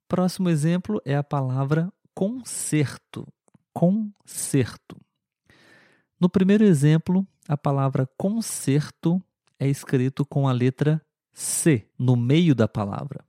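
A man giving a language lesson, repeating words and sentences slowly and clearly for learners. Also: medium pitch, dark tone, no echo, studio quality. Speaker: language teacher. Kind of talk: slow explanatory lesson.

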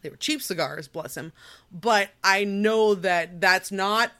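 Woman co-host with a bright voice, dry self-deprecating wit, chatty and rambling. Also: medium pitch, slow pace. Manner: wry, self-deprecating humor, rambling asides. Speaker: podcast co-host. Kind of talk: casual chat.

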